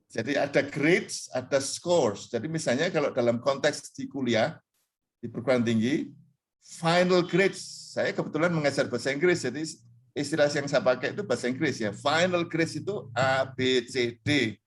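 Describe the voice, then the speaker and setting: A man's voice: mid-range voice, moderate pace. A middle-aged man, a university lecturer, explaining terms in a discussion, often repeating phrases and mixing in English words. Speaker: university lecturer, interview guest.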